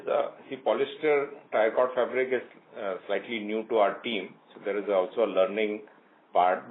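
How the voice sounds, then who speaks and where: A man, a company executive answering questions on an earnings call, speaking in measured sentences with frequent pauses. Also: mid-range voice. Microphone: phone line. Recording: tinny phone line, faint hiss.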